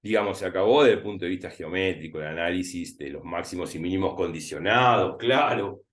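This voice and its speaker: A man with a Rioplatense Spanish accent teaching a recorded math lesson, thinking aloud and repeating words slowly as he writes. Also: low-pitched, fairly bright tone. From Argentina. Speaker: math tutor.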